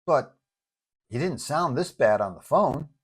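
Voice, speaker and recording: An earnest, breezy male superhero, voiced by a narrator with a casual way of talking. His medium-pitched voice lifts a little in this comic-book audio story. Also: lively intonation, a little slow, slightly rough. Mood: worried.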